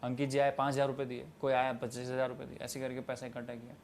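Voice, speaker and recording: A man's voice: mid-range voice, completely flat delivery, rapid-fire, a little mellow, slight background noise. A young man in his twenties giving emphatic, preachy interview answers about starting a tea stall business, dropping in English phrases. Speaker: guest, tea stall entrepreneur.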